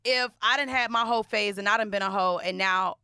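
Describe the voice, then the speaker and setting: A woman's voice: mid-range voice, a little fast, pushed and bright, smooth, no echo, studio quality. A woman hosting a podcast, casually interviewing with slang and swearing, asking direct, probing questions. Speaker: podcast host. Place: podcast studio.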